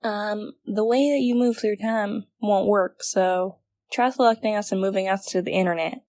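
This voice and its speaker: A woman's voice: mid-range voice, moderate pace, darkish tone, no echo, lightly acted. A woman playing an improvising leader in an audio drama, explaining things hesitantly as she thinks under pressure. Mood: urgent, thinking.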